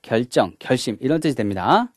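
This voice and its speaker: Man, grammar teacher, video lecture, lively rising and falling voice, dry close sound. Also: medium pitch, brisk, no room sound. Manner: explains step by step, opening each point with "자"; mixes English words into the explanation.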